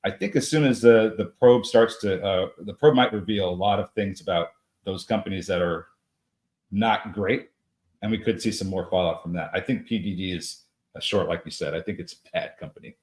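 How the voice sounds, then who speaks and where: Very deep-voiced man, halting trade talk. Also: darkish tone. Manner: halting, full of uh fillers and restarts. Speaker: trading show co-host. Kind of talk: live market commentary.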